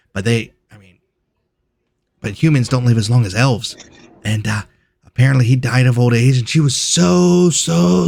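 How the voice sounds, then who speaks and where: A man's voice: medium pitch, creaky, darkish tone, no room sound. A man voicing a chatty clawed creature who works hard at a resort, in a hesitant, gossipy, rambling manner for a tabletop game. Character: chatty clawed cave-loving resort worker, friendly and overworked.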